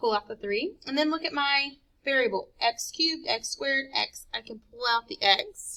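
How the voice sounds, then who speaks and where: Projecting her raised voice, a woman speaks at a high pitch and moderate pace, with a bright, sharp tone and lively intonation. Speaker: math teacher. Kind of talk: recorded lesson.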